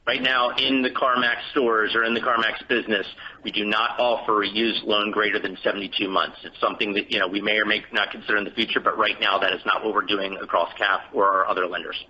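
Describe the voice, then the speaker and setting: A man speaking as a finance executive on an earnings call, giving measured, careful answers. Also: fairly low pitch, little pitch movement, pushed and bright. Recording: dull conference call line with hiss.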